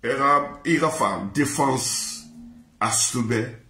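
Male singer, repetitive sing-song chant, unhurried, roomy echo. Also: mid-range voice, pushed and bright, faint music behind. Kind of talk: chanted song in mixed languages. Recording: echoey room.

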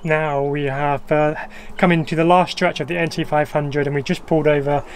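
A young man chatting casually on a campervan road-trip vlog, relaxed and rambling with fillers. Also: a little high, normal speed, a little hiss or hum. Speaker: travel vlogger.

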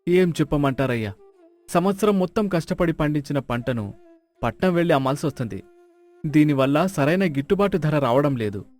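An actor playing an aggrieved but respectful village farmer. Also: male voice, fairly high pitch, animated, a little fast, darkish tone, natural voice. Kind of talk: moral storybook character voice. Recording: music behind the voice.

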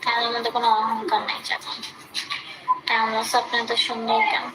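A woman's voice: a little high, completely flat delivery, a little fast, very noisy. A woman chatting casually as host of a live stream, talking directly to her viewers. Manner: chatty, addresses viewers by name. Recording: loud music over the voice. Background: loud music.

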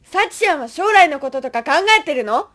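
A young woman playing an earnest, stressed high-school senior girl in an amateur radio drama. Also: lively intonation, fairly quick, fairly bright tone. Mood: irritated. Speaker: student radio drama actor.

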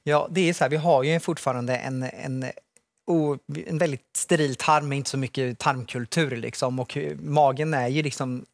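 A man's voice: mid-range voice, no echo. Guy in his 30s, nurse on a tv couch, chill and explainy, lots of um and like, dry studio sound. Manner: relaxed, explanatory, many fillers. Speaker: pediatric specialist nurse guest. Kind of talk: studio chat on morning TV. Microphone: lapel mic.

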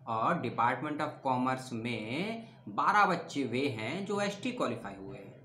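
Man, channel host, casual explainer, mid-pitched voice, corrects himself aloud, roomy echoing recording. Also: a bit bright, slight background noise. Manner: chatty, corrects his own slips aloud, calls viewers brother. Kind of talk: casual informational talk reading out lists. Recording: roomy echo.

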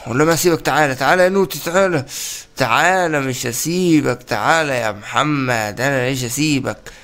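A young man with an Egyptian accent giving excited, playful commentary while playing a game, teasing and laughing often. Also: medium pitch, fast. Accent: Egyptian Arabic. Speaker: gaming channel host.

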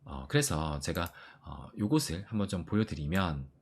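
A man hosting an investing channel, talking earnestly to viewers with frequent filler pauses. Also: sits low, big pitch swings, breathy edge. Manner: earnest, advising, many "eo" fillers. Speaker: crypto investing channel host. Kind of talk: solo talk to viewers.

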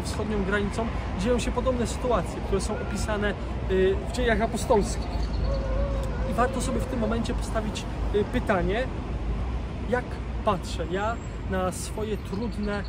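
A young man giving a short spoken reflection on a scripture reading, earnest and questioning, pausing often with hesitations. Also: high-pitched. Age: young adult. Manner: earnest, asks the listener many questions, frequent hesitations. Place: outdoors by a parking lot. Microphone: camera at chest height, tablet in hand. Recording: outdoor recording with street noise.

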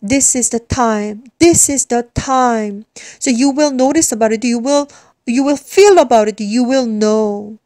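Slow high-voiced Korean woman. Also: warm tone, dry recording. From South Korea. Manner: halting, repeats and restarts words, broken grammar. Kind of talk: earnest testimony with repetitions.

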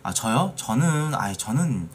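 Man in his late thirties, live-stream chat, blunt and teasing, lively swinging pitch, faint room noise. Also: a little slow. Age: 30s. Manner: blunt, teasing, swears at viewers. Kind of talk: casual live-stream chat reacting to videos. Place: small room in front of a green screen.

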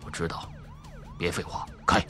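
A man's voice: moderate pace, bright, forceful tone, a little hiss or hum, lightly acted. A man playing a stony, unflappable middle-aged crime boss in an audiobook, curt and cold.

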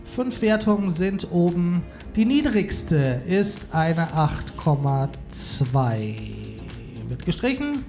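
A man's voice: sits high, very animated, slow. A man hosting a poetry slam on stage at a stand mic, chatty and announcing the scores with some fillers. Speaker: slam host. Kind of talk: live event moderation. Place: stage in a hall with audience. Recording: live hall with crowd and music.

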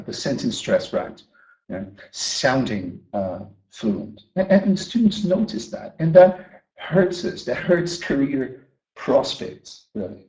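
A man from Brazil training teachers in a lively conference talk, often asking the audience questions and repeating words as he restarts. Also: on the low side. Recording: echoey room.

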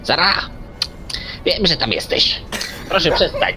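A man's voice: fairly high pitch, very animated, unhurried, loud music behind the voice, voice pushed up. A man voicing a boastful, melodramatic genie villain in an amateur video game parody dub, crying out theatrically. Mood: desperate, pleading.

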